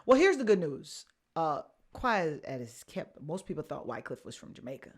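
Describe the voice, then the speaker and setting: A woman's voice: sits low, big pitch swings, moderate pace, slightly rough. A woman co-hosting a podcast, chatting casually with sassy opinions and mock quotes of others. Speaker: podcast co-host.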